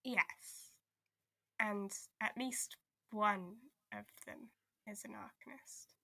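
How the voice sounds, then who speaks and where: A woman plays an exasperated arcane investigator with a bright, sharp-edged voice at an average pitch. She is blunt but caring, hesitant when earnest, in an audio drama style. The sound is close and free of room echo. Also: fairly even intonation, slow pace, creaky, breathy edge, full character voice. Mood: measured, reporting. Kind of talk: audio drama table read.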